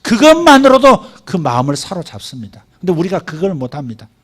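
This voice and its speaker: A middle-aged man preaching a sermon as pastor, animated, acting out quoted speech in a rising voice. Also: high-pitched, a little fast, slightly rough.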